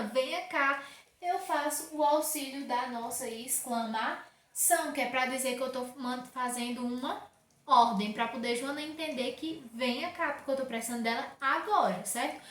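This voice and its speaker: A Brazilian woman teaching a remote lesson to children, speaking warmly and often checking in with the class. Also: sits high. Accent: Brazilian Portuguese. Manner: warm teacher talk, checks in with "certo?" often. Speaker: primary school teacher. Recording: roomy echo, distant from mic.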